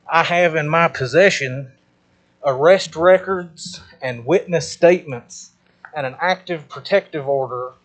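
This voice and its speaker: A man giving a prepared public statement at a meeting, measured and formal as he lists his points one by one. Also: a little high, poor audio. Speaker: public commenter at a school board meeting.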